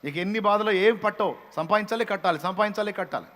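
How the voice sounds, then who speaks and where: A man preaching a fiery motivational sermon, scolding his listeners with repeated phrases that build to loud rebukes. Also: high-pitched, fast, long reverb tail. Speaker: pastor.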